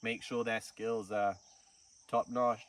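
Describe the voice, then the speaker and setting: A man's voice: fairly low pitch, flat delivery, slow pace. A man from Kenya, a snake farm curator, telling his story in a casual interview with frequent ums. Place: outdoors in the bush. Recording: distant mic with faint insect noise.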